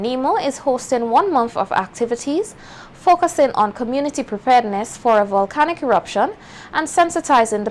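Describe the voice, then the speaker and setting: A woman's voice: on the high side, a little hiss or hum. Woman reading the news. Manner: measured, formal delivery. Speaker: news anchor.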